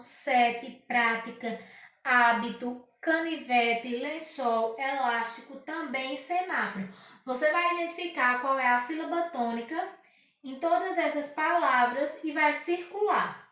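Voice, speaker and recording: A woman teaching a recorded grammar lesson, reading exercises aloud, drawing out key words slowly and asking the class rhetorical questions. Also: high voice, a bit bright, far from the mic. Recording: very echoey room.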